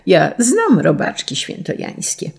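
A woman's voice: on the low side, huge pitch swings, slow pace, vocal fry, darkish tone, husky, heavily acted. A woman voicing a bold, sensible older girl who speaks firmly and curtly. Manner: firm, curt.

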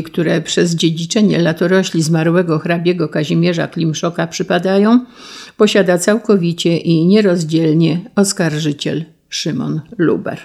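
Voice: mid-range voice, vocal fry, mellow. A reader voicing a presiding judge who reads a court verdict in a grave, formal tone.

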